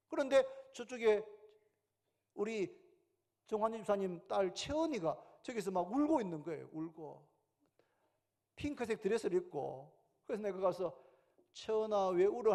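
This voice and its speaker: A male pastor with a Gyeongsang accent preaching a sermon in church, moving between loud emphatic calls and hushed, whispered asides. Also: high-pitched. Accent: Gyeongsang Korean. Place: church sanctuary.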